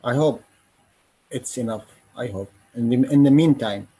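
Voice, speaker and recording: A man speaking as a panelist on an online call, slow and earnest, in broken phrases. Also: mid-range voice, warm tone, breathy edge. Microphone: video call.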